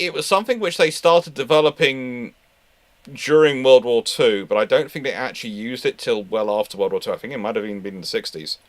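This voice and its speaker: A man answering history questions live in an informal way, thinking aloud in a halting, discursive manner. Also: lowish voice, dry recording.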